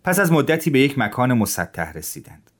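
A man narrating a story in a steady, measured way. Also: mid-range voice. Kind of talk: audiobook narration.

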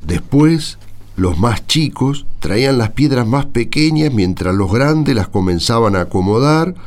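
A man playing a patient old grandfather from the countryside in a radio drama, with an Argentine accent and an unhurried, folksy, hesitant way of talking. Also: medium pitch, expressive, darkish tone, natural voice. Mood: nostalgic. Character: patient old grandfather reminiscing about his rural homeland.

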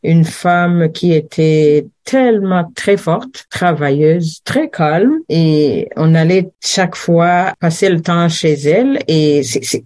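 Older woman from Rwanda, halting speech. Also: fairly low pitch, darkish tone. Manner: hesitant, repeats words as she thinks. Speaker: interview guest, director of a women's centre. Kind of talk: conversational interview answers, personal recollection.

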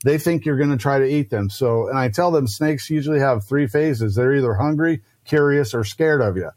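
A man with an ordinary middle-pitched voice talks in a relaxed, chatty way as a podcast guest. He keeps breaking into little acted voices as he tells his stories. The sound is dry and close, with no room around it. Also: no echo. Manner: lively storyteller who acts out snakes and customers in quick voices. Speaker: guest snake breeder. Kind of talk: casual podcast chat.

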